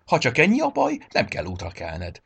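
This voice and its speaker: A man's voice: mid-range voice, wildly swooping pitch, creaky, a bit bright, breathy edge, voice pushed up, heavily acted. A man voicing a cheerful, clever little black rabbit in a storybook reading.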